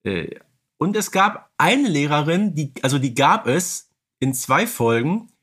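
A man's voice: on the high side, lively intonation, a little slow, a bit bright, husky. A man co-hosting a podcast in casual chat, often adding little tag questions to check in. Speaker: podcast co-host. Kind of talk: casual chat about audio dramas.

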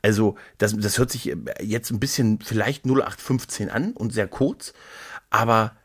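A man in middle age with a fairly low voice, recorded dry and close. He tells stories casually and playfully, rambling along and doubling back on his words like a relaxed podcast co-host. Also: normal speed, slightly rough, dry recording. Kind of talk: casual conversational storytelling.

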